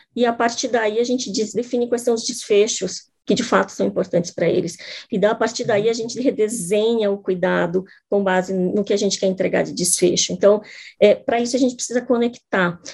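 A plain, everyday voice from a woman, fairly high in pitch, with fairly even intonation and a fairly quick pace. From Brazil, Belém do Pará. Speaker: cardiologist. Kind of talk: interview.

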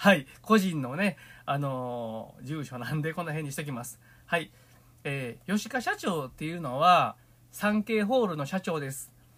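In a very clean recording with a silent background, a man with a Kansai accent speaks at a moderate pace in a relaxed tone. His fairly high voice has lively intonation and big swings in loudness. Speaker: rakugo storyteller, podcast host. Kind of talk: reading a diary aloud with commentary. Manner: casual, relaxed with fillers.

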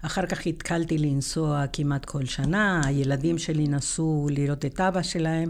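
Her pitch very deep and low, a woman with an Argentine accent talks fairly slowly with fairly even intonation. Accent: Argentine Spanish accent in Hebrew. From Argentina. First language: Spanish (speaking Hebrew). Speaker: payment analyst. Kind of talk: casual interview.

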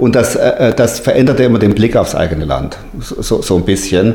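With audible room echo and noticeable background noise, a man speaks at a fairly low pitch with ordinary pitch variation. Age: 60s. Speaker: podcast host and business executive. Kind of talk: interview. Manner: halting, with fillers.

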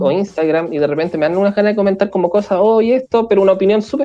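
A man speaks in a Chilean accent. His pitch is high. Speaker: radio panelist. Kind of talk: casual chat. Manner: halting, repeats words.

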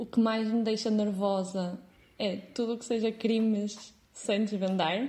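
A woman speaks at a fairly slow pace in a somewhat breathy voice with a fairly high pitch and a dark, mellow tone. Her intonation stays monotone and flat. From Portugal, Braga. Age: 20s. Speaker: fashion designer working in textiles. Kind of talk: casual chat.

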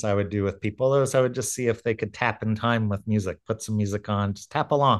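A man with a Canadian accent uses a normal speaking voice at a medium pitch. His intonation is fairly even, and the background is quiet. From Aurora, Ontario, Canada. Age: 40s. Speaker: rock bassist. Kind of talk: casual interview. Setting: video call.

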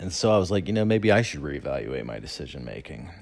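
The speaker has an American accent and vocal fry. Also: man. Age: 40s. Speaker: podcast host. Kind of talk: personal storytelling monologue. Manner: hesitant, frequent filler words.

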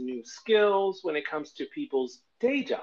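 A voice with an American accent and very wide swings in pitch. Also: man. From Brooklyn, New York; Haitian parents. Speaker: podcast host. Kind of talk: interview.

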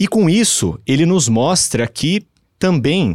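Very slowly, a man speaks with very wide pitch swings in a dry, close sound with no echo. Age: 20s. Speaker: seminarian. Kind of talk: casual discussion.

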